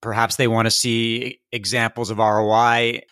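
A man's voice: medium pitch, monotone, moderate pace, a bit bright, clear, resonant tone, dry recording, studio quality. A man hosting a podcast, speaking in a conversational interviewing style.

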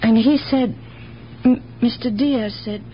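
High-voiced, earnest lonely aunt played by an actress. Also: female voice, soft background music, close to an everyday voice. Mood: hesitant recollection. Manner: earnest, hesitant, with halting repetitions. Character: lonely, compassionate older aunt, gentle and earnest. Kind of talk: radio drama acting. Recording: dull, noisy old radio broadcast.

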